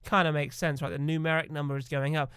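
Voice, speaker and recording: A man's voice: on the high side, little pitch movement, quick pace, fairly bright tone, smooth, no echo, clean studio sound. A man with a cough from a cold and a slightly nasal voice, chatting casually to camera in a gaming video, rambling with fillers.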